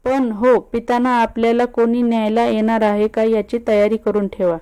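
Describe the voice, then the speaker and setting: A woman's voice: fairly high pitch, level tone, moderate pace, warm tone, clear, resonant tone, natural voice. A woman voicing a bossy, protective young woman who hosts a party, speaking in a commanding, coaxing way. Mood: breezy.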